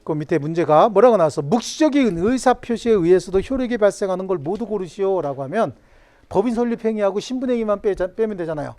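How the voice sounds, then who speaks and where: A man's voice: high-pitched, expressive, fast talker, darkish tone. A man lecturing on civil law to a classroom, joking and firing questions at the students.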